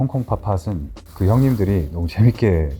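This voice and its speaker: Music plays in the background as a man with a very deep, low pitch speaks with lively intonation. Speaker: actor. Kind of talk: interview answer.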